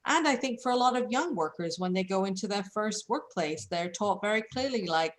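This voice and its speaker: A woman's voice: medium pitch, expressive, brisk. A woman from England, speaking as a panelist in an online discussion. She talks earnestly and conversationally and often checks in with "right?". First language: English.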